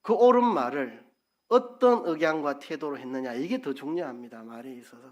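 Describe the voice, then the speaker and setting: A male pastor preaching a sermon in a church, lively and playful, acting out tones of voice to make his point. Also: medium pitch. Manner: lively, playful, demonstrates intonation by repeating syllables. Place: church sanctuary.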